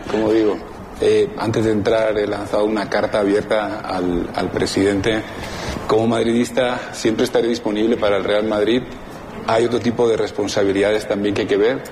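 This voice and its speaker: Un empresario de unos treinta y tantos años, haciendo una declaración pausada y formal. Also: male voice, lowish voice. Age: 30s. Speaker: businessman giving a statement. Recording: clip with clear background noise.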